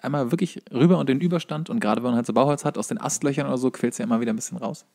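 A man's voice: mid-range voice, very fast, gravelly, darkish tone. Man in wry, casual podcast banter. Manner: jokey, wry interjections. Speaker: podcast co-host.

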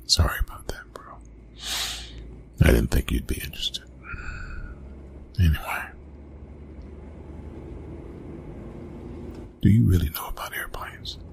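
A man playing a gruff, reluctant young college bully in an ASMR roleplay, talking in a hushed, halting, casual way. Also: low voice, big pitch swings, exaggerated voice. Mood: grudging, hesitant. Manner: hushed, halting, casual, often breathy whispering. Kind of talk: ASMR roleplay, intimate one-sided dialogue.

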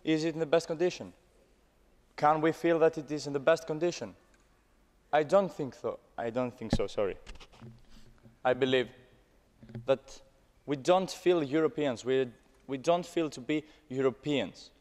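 A man's voice: fairly high pitch, unhurried, pauses often, a little mellow. Emphatic young Greek man in echoey hall. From Greece. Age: young adult. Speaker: student audience questioner. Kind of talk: opinionated speech from the floor. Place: large parliament chamber. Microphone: desk microphone, standing. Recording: echoey large hall, long reverb.

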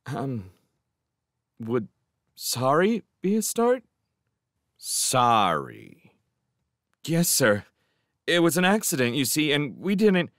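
A man's voice: mid-range voice, huge pitch swings, slow pace, pauses often, fairly bright tone, dry recording, clean studio sound, voice pushed up, full character voice. A man voicing a frightened but defiant young girl who pleads, in a dramatic audiobook reading. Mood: nervous apology.

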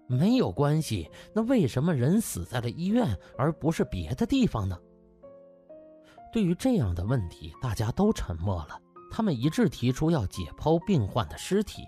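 A man's voice: medium pitch, mellow. A man narrating a novel as a dramatised audiobook.

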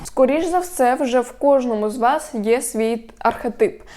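Young female vlogger, instructive and steady, warm dark tone, slightly high pitch. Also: moderate pace, slight background noise. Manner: instructive, steady, lists points one by one. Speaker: media coach vlogger. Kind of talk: explanatory talk to camera.

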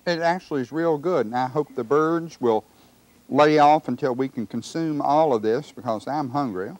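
A man's voice: mid-range voice, moderate pace, a little mellow, dry recording. A man hosting a comic cooking show outdoors at a backyard cookout, explaining things in a chatty, folksy way. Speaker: host.

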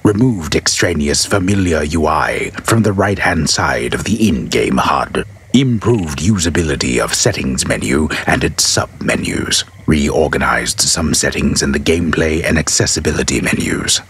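A man with a gravelly, husky voice gives a solemn, theatrical dramatic reading of scripted notes in a stagey, drawn-out manner. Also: rumbling low, lively intonation, fairly bright tone, a little hiss or hum.

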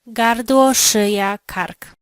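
Female co-presenter, measured answers, dry close recording. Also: a little high, steady tone, no echo. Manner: slow, clear answering in drills. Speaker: language lesson co-presenter. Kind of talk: language lesson answers.

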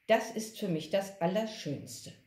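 A woman voicing a shrill, greedy magpie who excitedly lists her jewelry. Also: a little slow, reverberant, lightly acted. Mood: greedy delight. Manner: excited, listing her treasures.

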